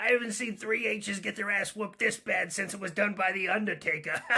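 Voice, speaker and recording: A raspy, fairly high put-on character voice at a fairly quick pace over light background noise. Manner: bad impression, sounds like a stroke.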